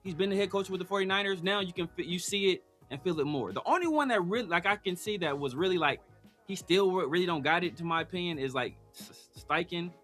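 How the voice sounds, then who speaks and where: A high-voiced man with a sharp, bright tone, hosting a casual sports talk show. He argues his points with emphasis and talks over his co-host. Faint music plays behind him. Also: lively intonation, quick pace. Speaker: podcast host.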